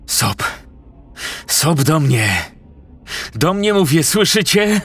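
A man's voice: on the high side, sing-song, takes it slowly, breathy edge, pitched above the performer's own voice, heavily acted. A man voicing an arrogant, lost politician who calls out in the woods, panicked and then angry. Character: arrogant middle-aged male politician, lost and scared.

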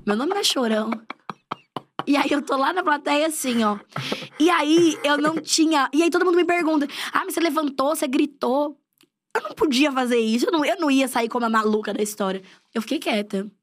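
A young woman with a high, quick voice tells a personal story in casual chat. She jumps between narrating and acting out the people in it, keeping a lively storyteller's rhythm. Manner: animated storytelling with quoted voices. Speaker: guest storyteller.

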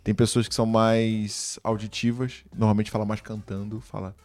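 A man hosting a casual chat, talking in a relaxed, slangy way with frequent laughs. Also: on the low side, moderate pace.

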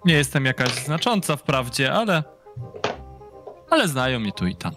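Helpful, modest townswoman from a tabletop game, as a man voices her, mid-pitched and halting, with a few stumbles and repeats. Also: very animated, over music, natural voice. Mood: friendly. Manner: hesitant, repeating words while speaking. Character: modest local townswoman giving friendly directions.

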